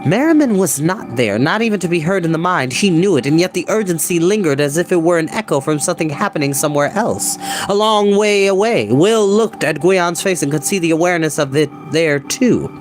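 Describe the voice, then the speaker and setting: Male storytime reader, fairly high voice, deliberate narration with dramatic pauses, soft music bed. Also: animated. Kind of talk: storybook narration, read aloud.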